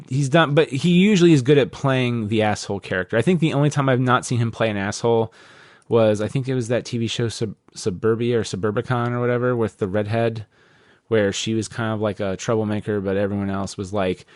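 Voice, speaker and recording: A man's voice: on the low side, fairly quick, no echo, studio quality. A man hosting a podcast, chatting casually in a rambling way, full of "like" and the odd swear word. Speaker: podcast host.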